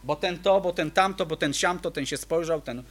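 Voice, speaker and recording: A man's voice: on the high side, moderate pace. A man preaching a sermon, emphatic and full of rhetorical questions to the congregation.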